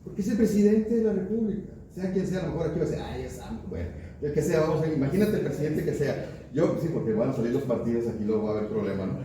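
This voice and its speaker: A man's voice: on the high side, lively intonation, fast, few pauses, crowd noise. A man preaching a sermon in a conversational style, often asking his listeners rhetorical questions. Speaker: pastor. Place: church hall. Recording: far-off mic in an echoey church.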